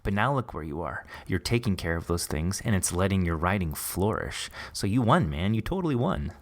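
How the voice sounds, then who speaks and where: A man's voice: deep voice, sing-song, brisk. A man hosting a casual, conversational interview in an encouraging, affirming way. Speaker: podcast host interviewing an author.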